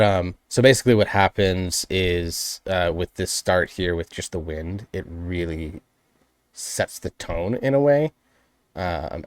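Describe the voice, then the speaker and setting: A man with a low voice talks through a song in a casual reaction video. He is earnest and appreciative and picks out small details. He speaks close to the microphone in a dry, dead room. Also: dry recording. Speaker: music reaction video host. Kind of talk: casual spoken music analysis.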